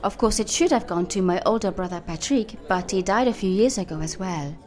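Young French heiress in a radio drama, French accent, lively pitch, hesitant, played by a woman. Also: a little fast, lightly acted. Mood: flustered. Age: 20s. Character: young French woman heading aircraft firm. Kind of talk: audio drama acting.

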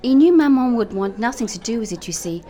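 Young French heiress in a radio drama, French accent, lively pitch, hesitant, played by a woman. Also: fast, natural voice. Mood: flustered. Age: 20s. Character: young French woman heading aircraft firm. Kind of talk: audio drama acting.

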